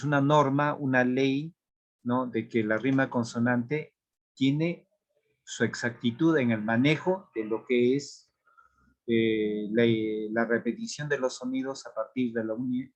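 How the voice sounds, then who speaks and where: A man giving a literature lesson in a measured, explanatory tone. His voice sits at an ordinary middle pitch. He checks in with his students often as he walks them through the material. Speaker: teacher.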